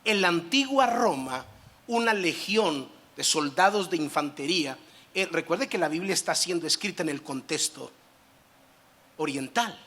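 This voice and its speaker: A man's voice: on the high side, expressive, normal speed, a bit bright. A man preaching a sermon as pastor, emphatic, with repetitions and asides to the congregation.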